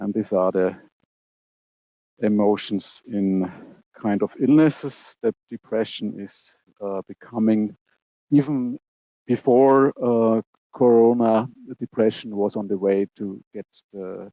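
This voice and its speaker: A man speaks very slowly in a dark, mellow tone at fairly low pitch, with long, frequent pauses, big swings in loudness, fairly even intonation and a dry, close sound with no echo. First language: German. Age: 50s. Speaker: physician and lecturer. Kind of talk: lecture. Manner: halting, many fillers.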